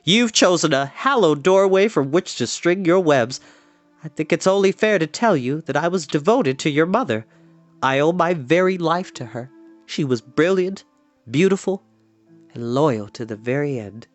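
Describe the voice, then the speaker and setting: A woman's voice: low voice, animated, moderate pace, no echo, faint music behind. A woman voicing a tender-hearted, anxious male pig in a children's storybook, earnest and emotional. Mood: heartfelt, solemn.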